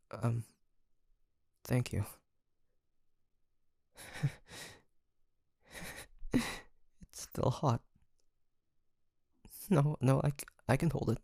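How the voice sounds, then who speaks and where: A man acts out a wounded, tender-hearted hunter in an intimate roleplay drama. His mid-pitched voice is slow and creaky, with soft, hesitant phrasing. The sound is very dry and close, as if confiding in one listener. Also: no echo, heavily acted. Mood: flustered, moved. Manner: hesitant, halting, sighing, soft-spoken. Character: weary, guarded young demon hunter, tender and wounded.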